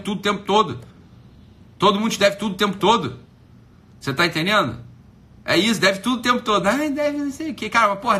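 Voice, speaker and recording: A man's voice: fairly high pitch, pushed and bright. A Brazilian man hosting a livestream, scolding a critic in a mocking, profane rant. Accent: Brazilian Portuguese. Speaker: livestream host.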